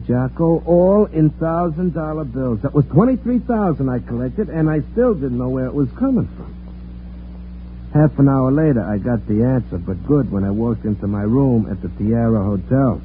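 A man's voice: mid-range voice, lively intonation, moderate pace, slight background noise, natural voice. An actor playing a hapless, nervous small-time wise guy, slangy and put-upon, in an old-time radio comedy crime drama. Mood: rueful. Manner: slangy, put-upon, colorful streetwise storytelling. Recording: tinny old radio recording.

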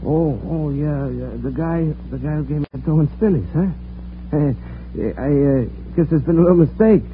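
A man's voice: on the high side, moderate pace, slight background noise, lightly acted. An actor playing a hapless, nervous small-time wise guy, slangy and put-upon, in an old-time radio comedy crime drama. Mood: nervous, flustered. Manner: slangy, put-upon, colorful streetwise storytelling. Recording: tinny old radio recording.

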